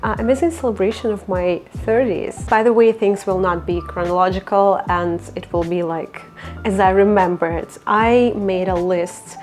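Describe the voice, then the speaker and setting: A woman's voice: mid-range voice, fairly even intonation, moderate pace, a little mellow, faint music behind. Chatty Russian-accented woman in her thirties. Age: 30s. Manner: chatty, reflective, non-native phrasing with fillers. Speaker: vlogger. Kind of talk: casual personal vlog.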